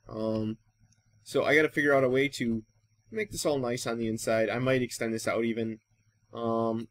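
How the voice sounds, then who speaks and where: American male gaming YouTuber, mid-pitched voice, casual and rambling, thinking out loud while he plays. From Wisconsin, United States. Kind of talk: casual Let's Play commentary.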